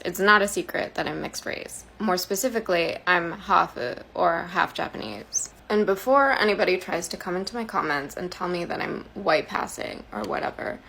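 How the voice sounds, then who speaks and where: A woman creator making a firm, measured statement straight to camera. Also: medium pitch, gravelly, a bit bright, poor audio. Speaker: social media creator.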